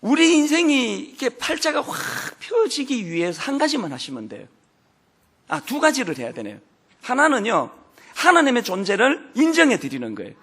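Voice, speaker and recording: A man's voice: very high-pitched, normal speed. A man in his fifties, a pastor giving a humorous sermon full of playful asides and jokes. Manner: joking, animated preaching with playful asides.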